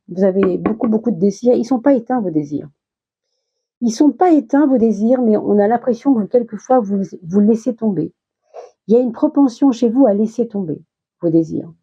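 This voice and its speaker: A woman talking through a tarot reading in a chatty, reassuring way, slowing down and restarting as she recovers from a small illness. Her voice is very dark and mellow, with a breathy, husky edge. The sound is a little dull, like a lo-fi home recording. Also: medium pitch. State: recovering from a minor illness, words slow. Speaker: tarot reader. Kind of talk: casual tarot reading for viewers.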